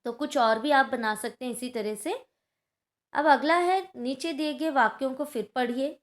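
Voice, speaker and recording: A woman's voice: sits high, moderate pace. A woman teaching a Hindi grammar lesson to schoolchildren, explaining patiently and checking in often with her class.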